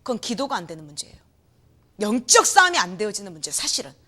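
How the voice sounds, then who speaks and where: A young adult woman preaching an energetic sermon in a church hall, acting out voices, shouting and laughing as she talks. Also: medium pitch, fast talker. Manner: animated, acts out quoted voices, shouts and laughs.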